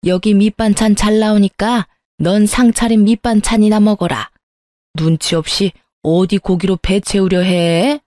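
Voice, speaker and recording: A woman's voice: mid-range voice, steady tone, a little slow, dark tone, no echo, lightly acted. A woman voicing a petty, spiteful older mother-in-law who scolds with scorn in a storybook tale. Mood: scornful.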